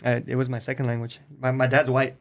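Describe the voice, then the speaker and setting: A man's voice: medium pitch, quick pace, creaky. A man chatting casually as a podcast guest, rambling loosely and filling his talk with "like". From Mexico–US border, Nogales. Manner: relaxed, rambling, many "like"s. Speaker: podcast guest, singer-songwriter. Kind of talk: casual chat.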